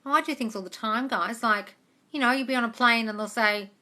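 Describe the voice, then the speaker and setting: Speaking a little high and a little fast, with a pushed, bright sound, a manifestation coach in her forties hosts a casual live Q&A. She's chatty and informal, calls listeners "guys" and "darling," and is recorded close on a phone.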